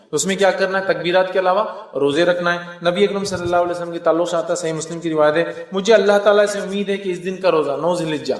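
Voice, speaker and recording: A man's voice: on the high side, recorded from a distance. Echoey preacher, a man. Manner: explanatory, reciting Arabic phrases then translating. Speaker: Islamic preacher. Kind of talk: religious lecture. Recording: echoey room, speaker off the mic.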